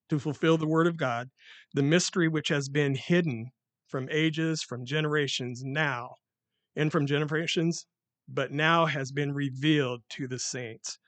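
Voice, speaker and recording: Loud, excited man preaching. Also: a little high, dry recording. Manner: loud, excited, reads scripture with rising force. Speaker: lay preacher. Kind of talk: sermon with scripture reading. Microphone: handheld or stand mic.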